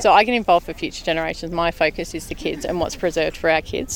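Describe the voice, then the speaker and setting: A woman with an Australian accent speaks at a fairly low pitch with fairly even intonation, over noticeable background noise. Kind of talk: interview. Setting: outdoors.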